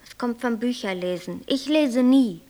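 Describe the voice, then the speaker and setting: An actress playing a capricious, self-absorbed white angel who creates worlds, airy, flippant and lecturing, in a German radio play. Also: female voice, fairly high pitch, a little slow, warm tone, lightly acted. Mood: flippant, cold.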